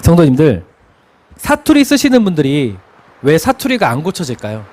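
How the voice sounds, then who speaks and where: Lively high-voiced Korean pastor preaching. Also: male voice, normal speed. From Chungcheong, Korea. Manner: expressive preaching, sings hymn lines, laughs while telling stories. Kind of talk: sermon.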